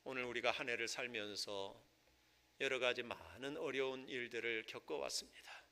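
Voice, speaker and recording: A male pastor preaching a Sunday sermon in church, rising to loud impassioned stretches and falling to soft, hushed passages. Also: medium pitch, moderate pace. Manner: swells to loud impassioned preaching, then drops to soft near-whispers. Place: church sanctuary.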